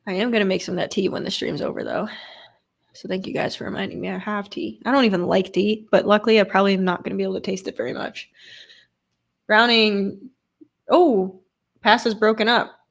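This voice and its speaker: A woman's voice: mid-range voice, fairly even intonation, brisk, vocal fry. Sniffly woman calling a game live. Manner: chatty, swears casually, reads and answers chat. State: stuffy nose from a cold, sniffling. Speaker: streamer doing play-by-play. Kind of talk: casual live play-by-play commentary with chat. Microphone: desk streaming microphone.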